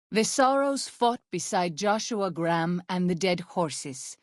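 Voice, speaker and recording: A woman voicing a gentle, earnest tribal healer in a video game, speaking in formal, measured phrases. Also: mid-range voice, no echo, studio quality, close to an everyday voice. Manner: formal, measured, careful phrasing without slang. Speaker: video game companion character and ending narrator. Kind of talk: scripted video game voice acting. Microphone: close studio microphone, dry.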